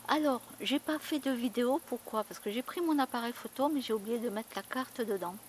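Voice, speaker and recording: A woman's voice: on the high side, brisk, a little mellow, slight background noise. A woman vlogging in a casual, rambling chat, full of fillers and repeated words. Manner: chatty, rambling storytelling with many fillers and repeats.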